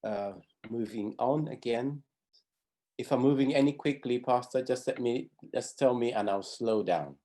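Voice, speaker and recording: An unhurried, warm, mid-range voice belongs to a middle-aged man from Zambia who teaches pathfinder honours to a youth class via video. He explains things one step at a time and often starts his phrases over.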